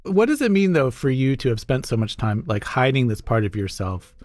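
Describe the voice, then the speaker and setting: A man hosting an interview, asking gentle, sympathetic questions. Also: medium pitch, sing-song, fairly quick, no room sound, studio quality. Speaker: interview host.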